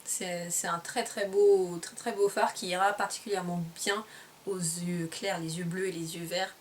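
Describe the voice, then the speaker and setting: A woman giving a casual makeup review at home, chatty and often pausing to search for words and correct herself. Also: lowish voice, steady tone, far from the mic, slight background noise. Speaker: beauty vlogger.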